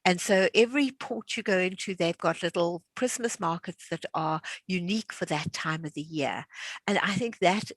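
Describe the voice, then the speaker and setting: A woman's voice: fairly low pitch, moderate pace, no room sound. A woman in her sixties hosting an online class, chatting casually and laughing easily. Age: 60s. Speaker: class host. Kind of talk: casual hosted chat.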